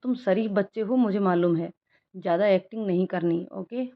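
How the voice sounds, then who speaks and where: A dull lo-fi recording holds a woman's natural, medium-pitched voice at normal speed. She narrates a storybook scene in the part of a young woman doctor, fond but easily upset, who scolds her boyfriend in a fond, affectionate way.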